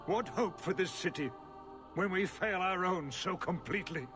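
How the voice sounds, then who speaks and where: An older man, an actor playing a weary, grieving ruler, speaking slowly and solemnly in a dramatic game cutscene. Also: sits high, music in the background, close to an everyday voice. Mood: grieving, defeated. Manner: slow, halting, solemn. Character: grieving, weary older male nobleman ruler who lost his son.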